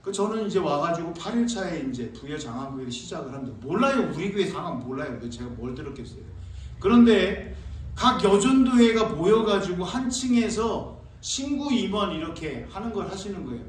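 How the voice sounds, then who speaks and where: A male pastor preaching a sermon, telling a lively story and acting out church members. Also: high voice, brisk, slight background noise. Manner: animated, acts out church members and sings hymn lines. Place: church sanctuary. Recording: echoey church hall, mic from far off.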